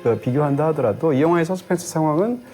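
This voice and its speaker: A middle-aged man with a fairly high, very animated voice, talking quickly as a film critic. He builds long explanatory arguments in a fluent, lecturing way, with faint music under him. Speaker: film critic co-hosting a movie review show. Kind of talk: analytical film review discussion.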